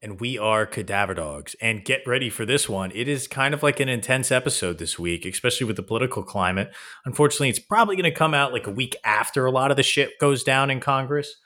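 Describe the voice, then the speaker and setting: A man's voice: mid-range voice, fast talker, bright, forceful tone. A man co-hosting a casual podcast, rambling along with fillers and swearing, recorded at home in a new apartment with roomy reverb. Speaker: podcast co-host. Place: new apartment, setup not finished. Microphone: home podcast mic under a blanket tent.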